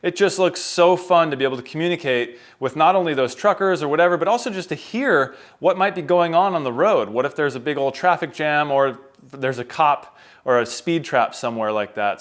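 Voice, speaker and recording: An American man talking casually to viewers as a vlogger, in an unboxing and how-to style. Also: on the high side. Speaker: vlogger reviewing a product.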